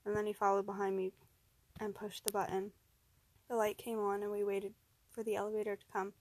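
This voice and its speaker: A woman narrating a first-person horror story, steady and even, rising in tense moments. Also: mid-range voice, brisk, no room sound.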